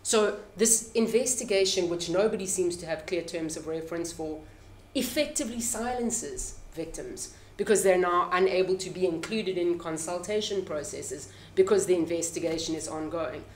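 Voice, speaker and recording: A middle-aged South African woman speaks with conviction at a press conference, her accent clear and her pitch slightly low. She presses her points emphatically. The sound carries a strong echo from the room, with a faint hiss underneath. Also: moderate pace. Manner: impassioned, emphatic. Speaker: panelist, activist. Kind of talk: press conference panel remarks. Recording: echoey room.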